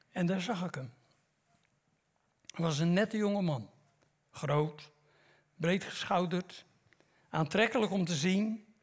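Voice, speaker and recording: A middle-aged man preaching in church, telling a parable slowly and dramatically, with long pauses. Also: sits high, vocal fry. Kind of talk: sermon storytelling.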